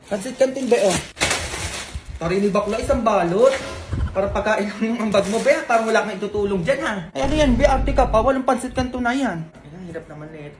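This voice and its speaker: A woman's voice: fairly high pitch, noisy background. A woman acting out several roles in a playful, bantering comedy skit.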